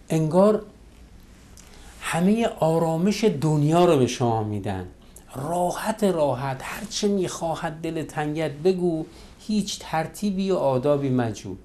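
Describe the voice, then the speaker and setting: A middle-aged man giving a lesson on marriage as a counselor, his voice sitting a little high for a man. He talks in an animated way and slips into the voices of quarreling spouses to make his points. Slightly raised pitch throughout. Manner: animated, acts out couples' quarrels in quoted voices. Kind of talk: lecture on relationships.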